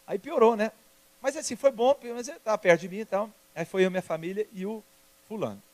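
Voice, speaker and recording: A man preaching a sermon as pastor, telling personal stories in an emphatic, lively way. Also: high voice, fast.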